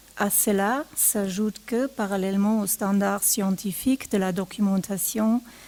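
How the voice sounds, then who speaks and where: A woman with a non-native accent at medium pitch, very slow in pace and fairly even in intonation. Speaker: provenance researcher at a museum. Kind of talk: lecture. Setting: seminar with live audience. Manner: formal; some hesitations.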